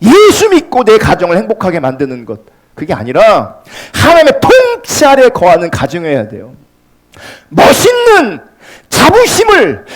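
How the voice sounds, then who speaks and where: A male pastor preaching a sermon with passion, swinging between loud, urgent peaks and hushed, quiet lines. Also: sits high.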